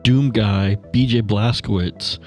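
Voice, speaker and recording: A man's voice: lowish voice, fairly even intonation, slow pace, darkish tone, soft background music. A man chatting casually as a tabletop game podcast player, hesitant and often repeating himself. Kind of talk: casual chat.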